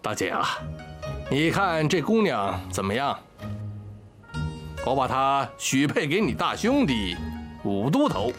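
An actor playing a genial, scheming official in a period drama, speaking in an officious, coaxing and effusive way. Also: male voice, medium pitch, very animated, slow, long pauses. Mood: jovial, ingratiating. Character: scheming genial official, male army inspector matchmaking over wine. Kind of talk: Chinese period drama acting. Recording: loud background music.

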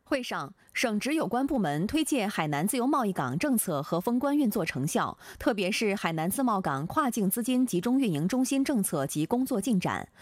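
A woman's voice: medium pitch, big pitch swings, moderate pace, hardly any pauses, no room sound. A woman delivering scripted news narration in a formal, precisely enunciated broadcast manner.

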